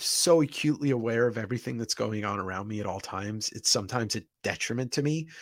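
An unremarkable speaking voice from a man with an American accent, medium pitch and ordinary pitch variation, in a dry, close sound with no echo. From New York. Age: 40s. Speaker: podcast co-host and comics YouTuber. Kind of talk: casual chat.

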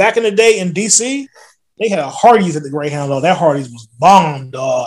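A man with an ordinary speaking voice and lively intonation. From Gaithersburg, Maryland. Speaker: podcast co-host. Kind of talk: casual chat.

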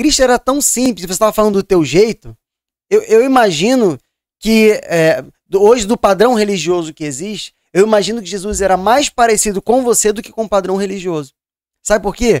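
A man's high voice at a moderate pace, with ordinary pitch variation, big swings in loudness, and a dry, close sound with no echo. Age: 30s. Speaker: pastor. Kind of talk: testimony.

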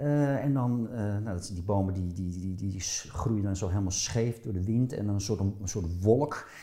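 This man talks at a moderate pace with a fairly low pitch. His tone is dark and mellow, and his pitch varies in an ordinary way. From Netherlands, Zaandam. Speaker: artist. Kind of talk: interview. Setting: studio. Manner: halting, many repeats.

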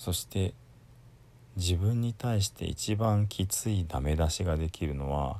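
On a very clean recording with a silent background, a man talks at a fairly slow pace. His voice is very deep and low, with a dark, mellow tone. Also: ordinary pitch variation. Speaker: Buddhist priest. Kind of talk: lecture.

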